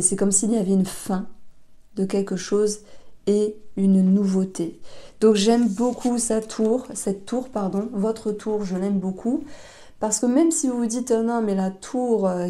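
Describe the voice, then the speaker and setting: A woman giving a tarot reading, talking gently and unhurriedly with fillers and self-corrections. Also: mid-range voice. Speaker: tarot reader.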